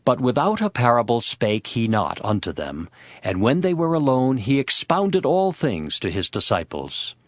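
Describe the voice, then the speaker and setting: A man's voice: mid-range voice, sing-song, normal speed, no echo. A man narrating a scripted, dramatized scripture reading. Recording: faint music behind the voice. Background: music.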